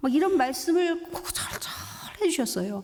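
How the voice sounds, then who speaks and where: At a moderate pace, a woman talks with very wide pitch swings, and audible room echo surrounds her voice. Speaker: pastor. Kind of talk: sermon.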